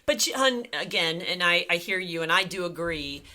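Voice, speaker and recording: Sincere woman, low bright voice. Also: expressive, normal speed. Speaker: co-host of a Christian marriage podcast. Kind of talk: casual conversational podcast talk.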